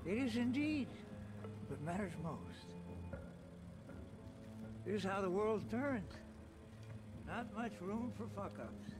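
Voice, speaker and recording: An actor playing a calm, menacing elderly crime boss in a video game, speaking with slow, soothing deliberation. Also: male voice, high-pitched, exaggerated voice. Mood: quietly menacing. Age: older. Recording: game music behind the voice.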